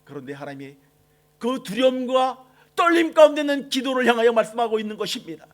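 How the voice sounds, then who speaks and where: A man preaches a morning sermon in a strikingly high voice. He moves from soft, low passages to loud, pressing exhortation. He slows right down on the words he gives to God. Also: animated. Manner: swings between soft and shouted lines, quoting God with slow emphasis. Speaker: pastor. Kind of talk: impassioned sermon.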